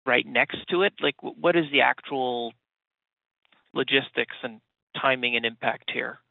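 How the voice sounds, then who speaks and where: A man with a medium-pitched voice asks questions as an analyst on an earnings call. He sounds casual, and the audio is a dry, narrow phone connection. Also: unhurried, gravelly, no echo. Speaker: financial analyst caller.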